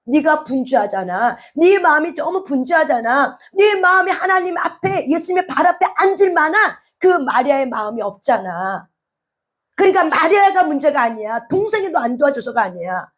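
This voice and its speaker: A woman pastor preaching a sermon, asking the listeners questions and rising to shouts at times. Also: sits high, lively intonation, moderate pace.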